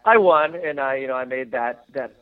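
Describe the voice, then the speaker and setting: A man from the United States, a former Olympic swimmer, answering interview questions in a reflective, halting way with many fillers. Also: mid-range voice, a crowd in the background. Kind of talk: casual interview conversation. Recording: tinny phone-line sound, dry.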